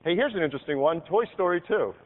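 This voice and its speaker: A man giving an upbeat live software demo on a conference stage, clicking through features as he talks. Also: a little high, lively intonation, quick pace, noisy background. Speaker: product demonstrator on stage. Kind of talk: live keynote product demo. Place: large convention hall stage. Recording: tinny, hall-reverb archive video of a keynote.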